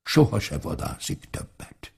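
A man narrating a rhymed folk tale in a lively, playful reading voice. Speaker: storyteller.

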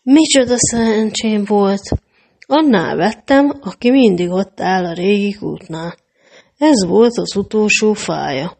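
A woman voicing an eager family father in a storybook reading, boastful and quick to stammer when flustered. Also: medium pitch, creaky, darkish tone. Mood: proud. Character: excited worried family father.

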